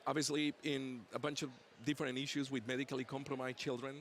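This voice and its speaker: A man's voice: mid-range voice, little pitch movement, fast talker, fairly bright tone, a little hiss or hum. A man, a pediatric dentist and professor, talks as an interview guest, joking playfully about his own pronunciation, recorded in a busy convention exhibit hall. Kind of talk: casual interview chat.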